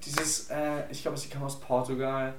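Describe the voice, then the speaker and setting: A man's voice: mid-range voice, level tone, moderate pace. A drunk young man in casual chat, laughing and teasing as he tells stories about his friend. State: drunk and nauseous. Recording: roomy, mic at a distance.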